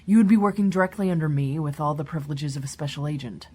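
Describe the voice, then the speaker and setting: An actress playing a senior female government agent, formal and measured, in an audio drama. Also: sits low, warm tone, close to an everyday voice. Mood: formal, composed. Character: composed, persuasive female government agent in charge.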